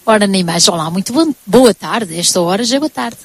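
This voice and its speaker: A woman's voice: medium pitch, expressive, fairly quick, husky, no room sound. A woman, interviewing students live on radio in a chatty, effusive and encouraging way.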